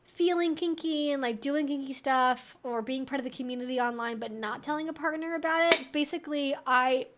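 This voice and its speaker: High-pitched woman chatting candidly. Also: fairly quick, hardly any pauses, fairly bright tone, slight background noise. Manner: candid, conversational, explanatory, hedging with frequent asides. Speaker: livestream host, educator. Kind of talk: casual livestream Q&A.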